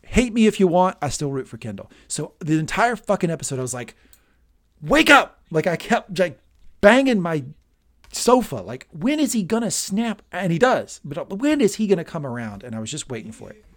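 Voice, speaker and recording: Excitable swearing podcast man. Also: fairly high pitch, a little fast, hardly any pauses. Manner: excitable, swears freely, acts out scenes loudly. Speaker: podcast co-host. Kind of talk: casual recap chat.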